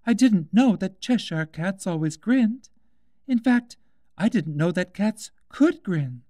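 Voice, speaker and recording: Storybook girl, polite and timid, pitched very high, a man puts her on, dry close sound. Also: lively intonation, slow pace, mellow, dry recording. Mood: timid, curious. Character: polite curious young girl.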